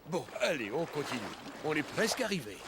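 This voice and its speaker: Lively, kindly grandfather. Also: a little high, brisk, very noisy. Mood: playful, gentle. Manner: gentle, encouraging, playfully explanatory. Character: kindly, playful, knowledgeable grandfather. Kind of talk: French cartoon dubbing. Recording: music behind the voice.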